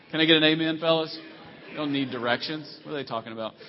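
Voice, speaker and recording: With a Southern US accent, a man speaks at a fairly high pitch. Noticeable background noise is present. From Tennessee. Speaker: visiting pastor. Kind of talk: guest sermon, building a teaching point on God's process and purpose. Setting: church stage with congregation. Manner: conversational and humorous, drawing laughs; earnest, steady preaching cadence with emphatic repetition.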